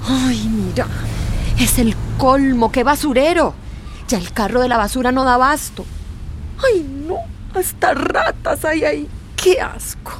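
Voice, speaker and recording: In this radio play, an easily scandalized village matron. Her voice is fairly high, and she keeps sighing and crying out in exasperation. A faint hiss runs under the recording. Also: expressive, measured pace. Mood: indignant. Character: fussy complaining middle-aged village woman. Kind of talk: radio drama acting.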